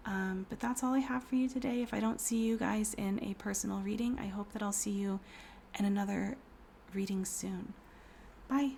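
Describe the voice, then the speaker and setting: Hoarse woman in her 30s, gravelly, mellow-toned, soft whispery delivery, casual tarot reader, faint background hiss. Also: medium pitch. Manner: soft, often whispery, rambling with fillers. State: hoarse from a cold. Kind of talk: casual pick-a-card tarot reading.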